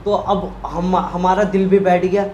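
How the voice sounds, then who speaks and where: A man talks casually to camera, animated and emotional, acting out the people in his story. The room rings with echo, and a faint ambient hum sits underneath. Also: sits high, unhurried, highs cut off. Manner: emotional, animated retelling with quoted voices. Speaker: vlogger, husband.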